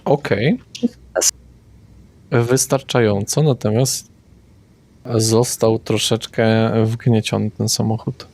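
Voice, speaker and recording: A man's voice: lowish voice, steady tone, slow, pauses often, darkish tone. A man speaking casually as game master of a tabletop roleplaying session.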